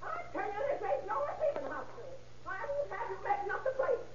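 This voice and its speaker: An actress playing a brisk, nosy, indignant rooming-house landlady who scolds in old radio crime drama style. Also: very high voice, sing-song. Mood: brisk indignant scolding. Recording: dull, noisy old radio recording.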